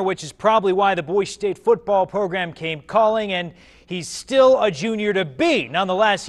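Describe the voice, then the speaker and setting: A man with an American accent delivering a scripted sportscast as an anchor, with emphatic broadcast delivery. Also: high voice.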